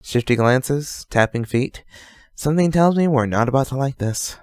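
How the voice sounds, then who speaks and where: A man's voice: medium pitch, animated, normal speed, dry recording, close to an everyday voice. A man playing an uneasy, outspoken and principled young superhero in an amateur audio drama. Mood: uneasy, doubtful.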